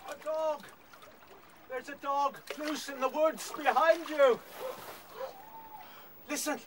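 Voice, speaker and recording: A man's voice: very high voice, steady tone, slow pace, background noise. A man acting in a radio play as a bold rabbit scout giving urgent, blunt warnings. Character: Bigwig, an alarmed, bold male rabbit scout.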